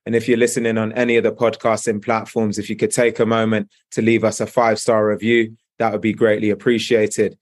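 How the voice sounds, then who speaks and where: A man's voice: lowish voice, completely flat delivery, fairly quick, hardly any pauses. A man hosting a podcast, opening the show and questioning his guest in a polished, upbeat delivery. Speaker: podcast host.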